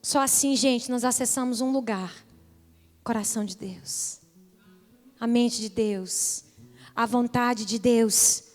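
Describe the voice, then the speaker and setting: A young woman pastor preaches with fervor, her high voice building through repeated calls. Her voice carries a long reverb from a church hall. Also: slow, long pauses, soft background music. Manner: impassioned preaching, rising to loud repeated calls. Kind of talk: sermon.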